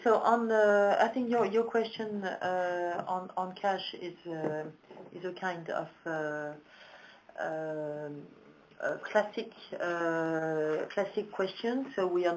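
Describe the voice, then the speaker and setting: A woman with a low voice answers questions as a company executive on a conference call. She speaks in halting pieces with frequent pauses. There is clear noise on the line. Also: poor audio.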